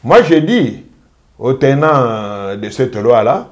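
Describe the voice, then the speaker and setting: A man speaking as a jurist gives an interview. His voice sits at an ordinary middle pitch. He builds a deliberate, emphatic argument, stressing each point and repeating it. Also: sing-song, a little mellow. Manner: emphatic, measured legal argument with deliberate repetition. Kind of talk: interview commentary.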